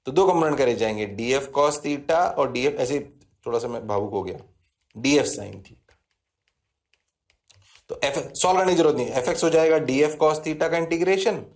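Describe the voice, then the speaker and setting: A man's voice: medium pitch, a little mellow. A man with an Indian accent teaching physics in a classroom lecture, repeating key phrases and answering his own questions in his students' voice. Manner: talks to students, answers himself in their voice; repeats key phrases, mixes English terms in.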